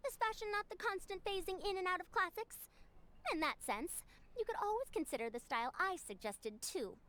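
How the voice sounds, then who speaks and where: A bright, haughty scholar lady. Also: very high-pitched, expressive, a little fast, exaggerated voice. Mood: self-assured. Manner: haughty, formal, lecturing. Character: proud, old-fashioned female scholar who sounds youthful.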